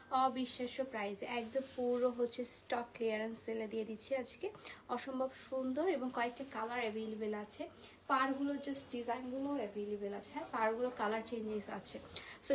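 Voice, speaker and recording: A woman hosts a live sales stream, keeping her voice low and careful while a migraine presses on her. Her voice sits a little high, and she drops English words into her Bengali as she chats with viewers. A faint hiss of noise sits behind her. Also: low-quality recording. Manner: speaking softly, mixing English words into Bengali. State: suffering a migraine. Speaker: live sari seller.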